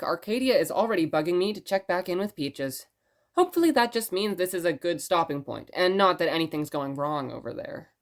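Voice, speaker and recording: A woman playing a presenter who reads stories aloud in expressive narration. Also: deep voice. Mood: brisk. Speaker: narrator and host of the show.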